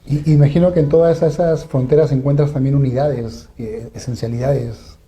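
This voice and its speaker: A man hosting an interview, asking thoughtful, drawn-out questions. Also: mid-range voice, steady tone, warm tone. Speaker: interview host. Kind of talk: interview conversation. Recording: dull lo-fi audio.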